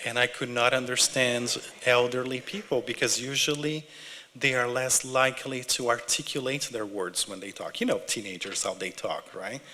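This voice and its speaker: Man with a Brazilian accent, at medium pitch and a moderate pace, with ordinary pitch variation. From Brazil, Sao Paulo. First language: Portuguese. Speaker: speaker sharing immigrant story. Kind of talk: personal storytelling talk. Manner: conversational, filler-heavy.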